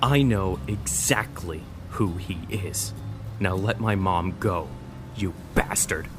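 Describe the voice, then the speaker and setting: A man's voice: deep voice, slow pace, over music. An actor playing a desperate, angry son defying his mother's captor in an audio drama, intense and emotional. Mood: furious, threatening.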